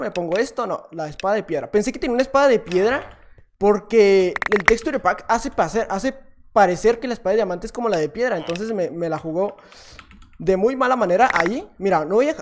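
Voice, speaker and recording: A man with a Mexican Spanish accent giving chatty, self-mocking gameplay commentary, with sudden excited shouts. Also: sits high, a little fast, background noise. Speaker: gaming YouTuber.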